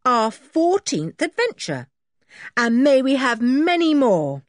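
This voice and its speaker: A woman voicing an eager schoolboy who talks in a bright, lively way. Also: sits high, takes it slowly, dry recording, clean studio sound, pitched above the performer's own voice, exaggerated voice. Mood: cheerful. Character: eager schoolboy, cheerful and chatty.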